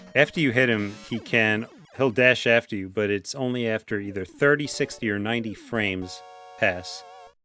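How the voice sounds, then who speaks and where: With an American accent, a man talks at a moderate pace in a relaxed tone, his medium pitch showing ordinary variation. Music plays in the background. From New York. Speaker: video game streamer. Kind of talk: live gameplay stream chat. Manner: casual, relaxed.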